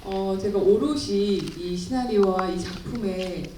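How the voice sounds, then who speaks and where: A woman actress from Busan speaking reflectively and warmly at a film Q&A, with many pauses and fillers. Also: mid-range voice. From Busan, South Korea. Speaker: actress at a screening Q&A. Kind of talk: festival Q&A talk. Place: cinema auditorium at a film festival. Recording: echoey hall from far off, noisy.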